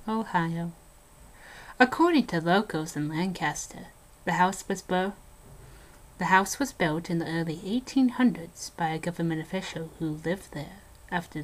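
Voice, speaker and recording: A woman's voice: lowish voice, rough recording. A woman playing a brash young local telling haunted-house tales in an amateur audio drama, casual and dramatic. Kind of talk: amateur audio drama, scripted ghost storytelling.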